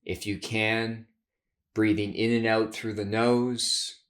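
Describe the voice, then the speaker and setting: Slow, low-voiced man guiding a meditation. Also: level tone, fairly bright tone. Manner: soothing, measured, with long pauses. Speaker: guided meditation leader, therapist. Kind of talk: guided meditation, gentle instruction.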